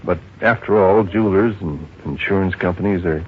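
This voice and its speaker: Guy acting discreet small town jeweler, lowish voice, confiding gossipy radio drama style, slightly hissy old recording. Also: brisk, close to an everyday voice. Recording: dull old radio recording, faint noise.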